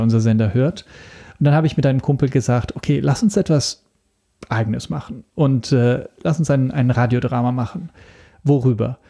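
A man from Italy, talking casually as a podcast guest, hesitant and often pausing to search for words. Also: mid-range voice, vocal fry, dark tone. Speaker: podcast guest, radio drama maker.

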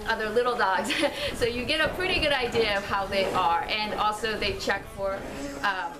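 A woman's voice: medium pitch, moderate pace, background noise. A woman in her forties, a farm owner, talking casually to the camera outdoors with many ums and frequent laughs. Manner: friendly, chatty, many ums, laughs often. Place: outdoors by an alpaca pen. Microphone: camera at close range.

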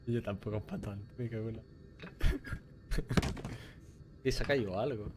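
A man's voice: lowish voice, slow pace, noisy background. A young man with a Spain Spanish accent giving crude, swearing, laugh-prone commentary while streaming a horror game. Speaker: gameplay streamer. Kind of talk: casual horror let's-play commentary.

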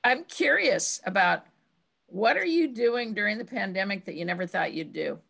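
A woman's voice: mid-range voice, lively intonation, moderate pace, creaky, fairly bright tone. An older woman hosting a casual interview over a video call from her home, speaking in an effusive, praising manner. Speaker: host. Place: home room with bookshelves.

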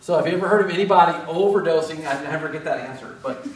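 Talking very fast through a face mask, this respiratory therapy instructor has a somewhat high voice and a relaxed, joking, self-deprecating style, tossing questions at his students. The middle-aged man is giving a whiteboard lecture in a big classroom, recorded by a camera far back that captures lots of echo.

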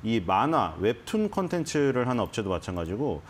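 A man's voice: medium pitch, sing-song, a little fast, a little hiss or hum. A man explaining stocks on a financial TV program, talking in a conversational, explanatory way with frequent restarts. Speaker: stock analyst guest. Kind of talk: conversational market commentary. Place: TV studio.

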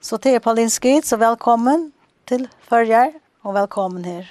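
A Faroese woman hosting a TV program, introducing her guest in a halting way, searching for words in a small studio. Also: on the high side, lively intonation, darkish tone, dry recording. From Faroe Islands. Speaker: TV host.

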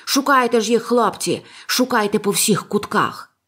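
A woman voicing a blind old male pirate beggar, furious and barking harsh commands in a breathy voice, in a storybook reading. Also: on the high side, normal speed, fairly bright tone.

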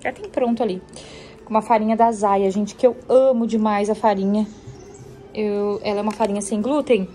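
At home, a woman with a Brazilian Portuguese accent chats casually with her viewers while doing chores, often slipping into affectionate baby talk with her daughter. Her medium-pitched, dark voice stays steady at a moderate pace, with slight background noise.

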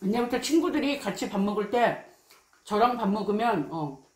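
A woman's voice: medium pitch, animated, normal speed, reverberant. A woman streaming a mukbang, chatting casually with her viewers while her mouth is full of food. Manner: soft, chatty, talks between bites. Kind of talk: casual live-stream chat while eating.

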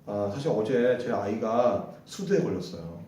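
A man's voice: lowish voice, big pitch swings, normal speed, mellow. Male English teacher, drills phrases with the class, very echoey hall, voice from a distance. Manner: drills phrases, repeating them and cueing the class; chatty asides between drills.

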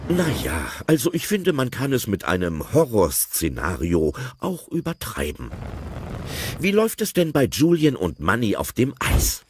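A man narrating an audio play with expressive, playful commentary. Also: mid-range voice, a little slow, slight background noise.

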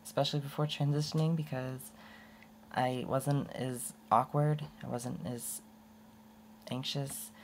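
A young woman rambling candidly in a casual unedited vlog, her voice prone to going hoarse. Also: very deep voice, level tone, measured pace, slight background noise. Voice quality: voice often goes hoarse. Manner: rambling and candid, with many restarts and laughs. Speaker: vlogger.

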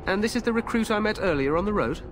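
A man's voice: high-pitched, expressive, quick pace, noisy background. An actor playing a proud, eager young king in a fantasy game, with a regal, grandiose manner. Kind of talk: fantasy video game acting.

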